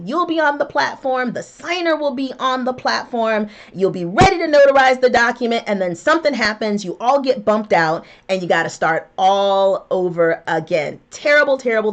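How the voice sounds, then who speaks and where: A woman who is a notary and YouTuber, explaining a new platform to her viewers in an upbeat, emphatic way and calling them guys. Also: on the high side. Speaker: notary signing agent and YouTuber. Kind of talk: enthusiastic explainer vlog.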